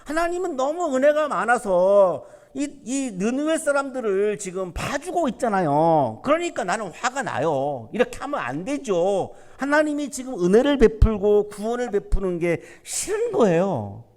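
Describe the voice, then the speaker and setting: A man's voice: high voice, very animated, normal speed, hardly any pauses. A man preaching a sermon as pastor, talking conversationally and asking rhetorical questions. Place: university church sanctuary. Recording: church hall reverb.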